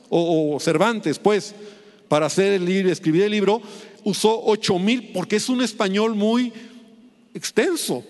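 A man's voice: sits high, big-room sound. A middle-aged man preaching a sermon, chatting with the congregation and checking in with constant tag questions.

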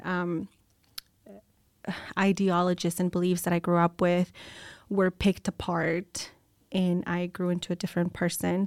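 A woman's voice: on the low side, gravelly, darkish tone, no echo. An American woman, a nurse, telling her personal story as an interview guest, reflective and candid, with many ums and restarts. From United States.

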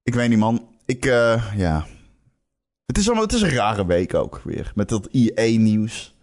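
A podcast co-host chatting casually with a friend. He is a man whose pitch rises and falls a great deal, and he often restarts his sentences and laughs mid-story. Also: normal speed. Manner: animated, stumbling restarts, laughs while telling. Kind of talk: casual chat.

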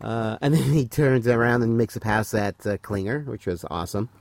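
A man's voice: on the low side, brisk, a little mellow, no room sound. A man co-hosting a casual podcast, rambling through an episode recap with many fillers. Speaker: podcast co-host. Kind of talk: casual chat reviewing a TV episode.

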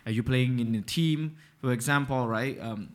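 A young man from Cambodia whose first language is Khmer talks in a loose, animated way. He leans on fillers and restarts and laughs easily as he goes. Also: mid-range voice, normal speed. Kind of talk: casual chat.

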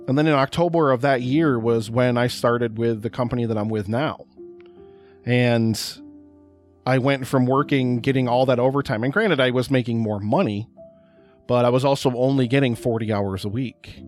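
A middle-aged man hosting a podcast, recorded close on a studio mic, with faint music underneath. His voice is loud and projecting, with a middle pitch. He rambles chattily through his story and repeats words for emphasis. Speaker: podcast host. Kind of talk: casual personal storytelling.

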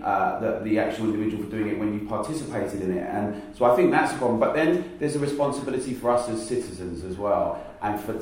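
A man on a discussion panel speaks in a measured way, with frequent hesitations. His voice sits fairly low. The sound is distant and rings around a large echoey hall. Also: a little mellow.

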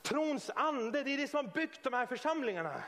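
A man preaching a lively, informal sermon in a church hall, joking and acting out scenes. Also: very high-pitched.

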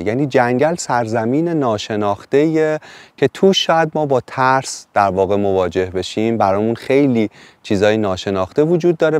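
Calm man reading a story. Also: mid-range voice, no echo. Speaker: podcast host, book presenter. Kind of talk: book talk and story reading.

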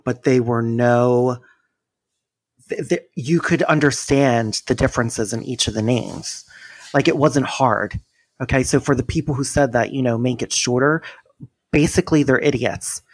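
A man's voice: medium pitch, no room sound. A man co-hosting a podcast, talking in a blunt, joking, profane way. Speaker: podcast co-host. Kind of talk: casual chat.

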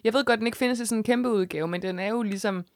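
A woman's voice: mid-range voice, no room sound, clean studio sound. A young woman, co-hosting a casual podcast in a playful way and swearing freely. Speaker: podcast co-host. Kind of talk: casual chat, candy review.

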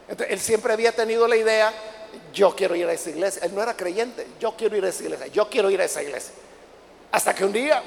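An older man preaches in a very high, gravelly voice, telling a story with growing emotion. He breaks into shouts at the peaks of the story. The sound comes from a reverberant church hall with faint ambience behind him. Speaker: pastor. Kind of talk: sermon.

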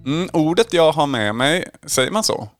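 A man's voice: a little high, expressive, soft background music. A man co-hosting a podcast in casual, playful chat. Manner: playful, joking. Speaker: podcast co-host.

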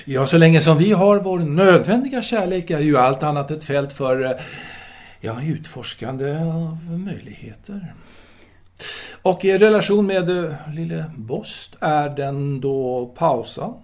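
Guy acting restless 1930s philosophy teacher, lively highish voice, very formal and polite, hums and hesitates, intimate radio drama. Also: lightly acted. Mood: probing, measured. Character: philosophy teacher in 1938, courteous, restless intellectual lover. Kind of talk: audio drama dialogue, intimate phone conversation.

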